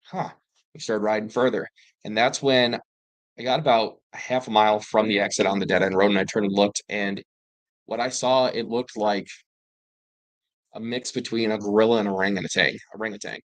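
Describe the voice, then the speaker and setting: A man with a lowish voice tells wilderness encounters in loose, rambling storytelling. He fills pauses and restarts often, and he jumps up in excitement when he quotes himself. The sound is dry and close. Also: no room sound, poor audio. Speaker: panel guest telling paranormal encounters. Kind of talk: casual storytelling.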